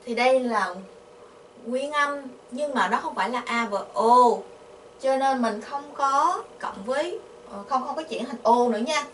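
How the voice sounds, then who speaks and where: A woman's voice: sits high, a bit bright. Vietnamese-accented woman, patient grammar teacher, roomy distant sound with faint hiss. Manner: patient, asks the class questions, repeats syllables slowly. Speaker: Korean language teacher. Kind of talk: explaining grammar. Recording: echoey, from a distance, faint noise.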